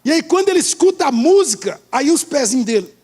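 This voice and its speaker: Male bishop, high-pitched voice, animated storytelling sermon. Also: quick pace. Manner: animated, swings between loud emphatic and quiet. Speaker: bishop preaching. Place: church service.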